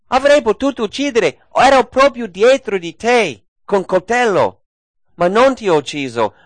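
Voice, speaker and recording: A man's voice: high-pitched, no echo, pitched above the performer's own voice. A man voicing the young David, pleading with his king in an earnest, urgent, raised voice.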